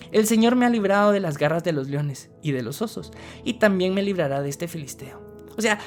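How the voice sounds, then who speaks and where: A woman with a Guatemalan Spanish accent gives a motivational sermon, speaking earnestly and directly to the listener with rhetorical questions. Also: lowish voice. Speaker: preacher.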